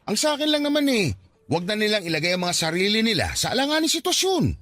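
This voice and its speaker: A man's voice: high voice, huge pitch swings, fast talker, fairly bright tone, no echo, studio quality, soft background music, exaggerated voice. An actor playing a dismissive middle-aged policeman in a Tagalog radio drama, lecturing in a patronizing, colloquial way. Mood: defensive lecturing.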